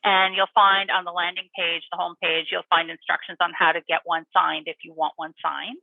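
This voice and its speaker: A woman dog trainer and author chatting as an interview guest, animated and quick to laugh. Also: on the low side, vocal fry, no room sound, narrow, tinny audio. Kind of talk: interview guest, casual chat.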